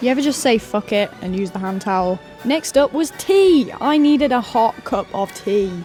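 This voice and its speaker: A woman's fairly high voice with very wide pitch swings, music playing in the background. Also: moderate pace. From UK. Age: young. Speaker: filmmaker, artist. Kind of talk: voice-over narration.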